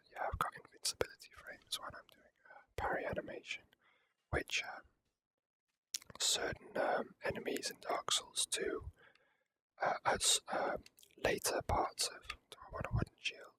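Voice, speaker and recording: A person whispering softly and casually as ASMR commentary over a video game. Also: moderate pace, rough recording. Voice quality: soft unvoiced whisper. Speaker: gaming video creator.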